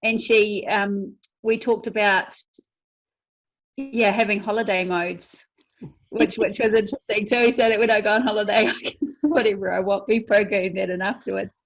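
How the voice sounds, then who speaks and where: A middle-aged woman with a New Zealand accent talks as a guest on a podcast. Her voice sits at an ordinary mid pitch, and her delivery is easygoing, with frequent ums and light laughs. She explains her work in a conversational way. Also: normal speed, rough recording. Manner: relaxed, with many fillers and a light laugh. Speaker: guest, hypnotherapist. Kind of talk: casual conversational interview.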